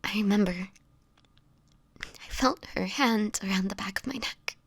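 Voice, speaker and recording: A woman playing a sickly, homeless vampire in an intimate audio roleplay, speaking in a breathy, whispery voice with halting, hesitant delivery. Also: medium pitch, fairly bright tone, dry recording. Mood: frightened, shaken. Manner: halting, hesitant storytelling with pauses.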